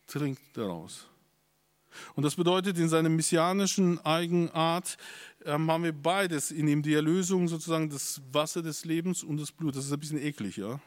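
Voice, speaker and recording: A man's voice: on the high side, steady tone, fairly quick, no room sound. Emphatic male preacher, dry sound. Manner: emphatic, rising to insistent peaks; hesitant restarts and fillers. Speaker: pastor. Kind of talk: sermon.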